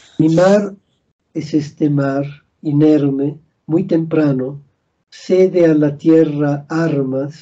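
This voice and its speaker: Against a quiet background, a man with a dark, mellow tone and a fairly high pitch speaks at a very slow pace in monotone, flat intonation. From Italy (Milan), raised in Mexico from 15; Italy. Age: 60s. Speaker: poet and writer; poet. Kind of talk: interview. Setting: video call. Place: home room. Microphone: video call.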